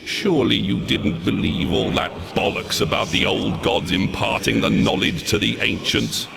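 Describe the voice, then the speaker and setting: A man playing a mocking, pompous ancient demon in a video game, theatrical and taunting, with a gravelly voice. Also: on the low side, normal speed. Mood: gloating, contemptuous. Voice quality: gravelly, creaky. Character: gloating, mocking ancient demon mastermind, male. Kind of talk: video game villain acting. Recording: loud music over the voice.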